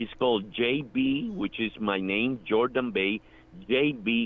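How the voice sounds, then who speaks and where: A man with a Spanish accent speaks at a very slow pace with a medium pitch. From Caribbean. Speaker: caller. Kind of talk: call-in conversation.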